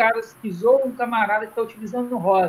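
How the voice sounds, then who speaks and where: The man's voice is high in pitch, with fairly even intonation. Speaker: costume maker, former metalworker. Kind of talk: casual chat. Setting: live stream.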